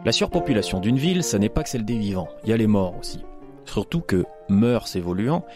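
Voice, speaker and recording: A man acts as game master, narrating the story in a fairly low voice. Music runs underneath his role-play narration. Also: sing-song, a little fast. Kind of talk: scripted and improvised narration of a role-playing game.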